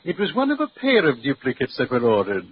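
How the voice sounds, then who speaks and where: Polite, animated jeweler. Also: male voice, medium pitch, quick pace, breathy edge, no echo. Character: polite, measured London jeweler craftsman. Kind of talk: 1940s radio acting. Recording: muffled old radio recording, music behind.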